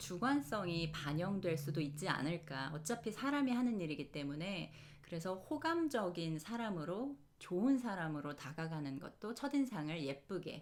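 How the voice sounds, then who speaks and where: Her voice sits fairly low for a woman and swings very widely in pitch as she talks at a moderate pace. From South Korea. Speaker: nurse and YouTuber. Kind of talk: casual vlog talk.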